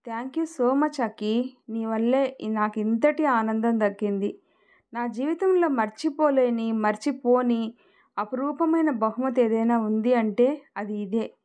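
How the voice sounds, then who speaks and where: A woman voicing an emotional young pregnant wife who speaks softly in an audio story. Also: fairly high pitch, measured pace, close to an everyday voice. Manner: emotional, soft.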